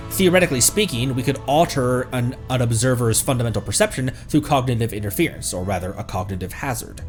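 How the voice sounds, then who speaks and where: A male game streamer with a mid-pitched, very animated voice. He reads aloud theatrically and deliberately, leaning into each phrase. Faint music plays behind him. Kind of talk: reading game text aloud, stream commentary.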